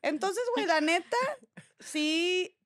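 Mexican woman, high voice, slangy podcast storyteller who acts out the dialogue, dry close mic. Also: slow pace, no echo. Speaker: podcast co-host. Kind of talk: casual storytelling chat.

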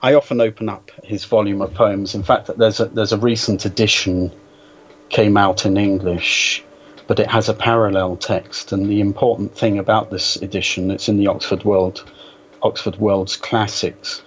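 A man speaking as an interview guest in a measured, hesitant, scholarly way, reflecting carefully on literature over an internet call. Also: lowish voice, little pitch movement. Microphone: Skype call. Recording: dull, noisy internet call.

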